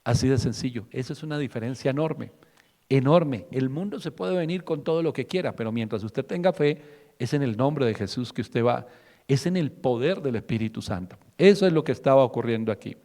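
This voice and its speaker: A man's voice: mid-range voice, expressive, brisk, mellow, in a large hall. A man preaching a fervent radio sermon, asking rhetorical questions and acting out quotes. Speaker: pastor.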